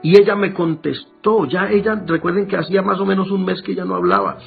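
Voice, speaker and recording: A pastor giving an emotional sermon testimony to his congregation, halting and repeating words as he speaks. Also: high-pitched, steady tone, gravelly. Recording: tinny lo-fi phone-like recording with faint music.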